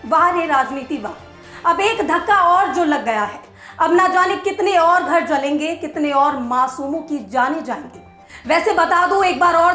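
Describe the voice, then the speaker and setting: A woman news presenter reads scripted commentary in a very high, slightly bright voice, emphatic and rhetorical with a sarcastic edge. The room echoes and music plays behind her.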